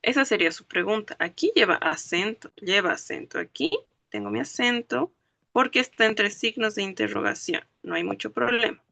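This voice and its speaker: Woman language teacher, bright tone, patient step-by-step explaining. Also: mid-range voice, sing-song, creaky, dry recording. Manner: explains slowly, checks understanding with "¿ok?" and "¿no ve?". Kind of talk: classroom lecture.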